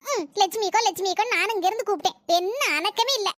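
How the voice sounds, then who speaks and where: A woman's voice: very high-pitched, quick pace, background noise. A woman voicing a scheming neighbor who spreads gossip, in a cartoon comedy. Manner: breathless storytelling gossip.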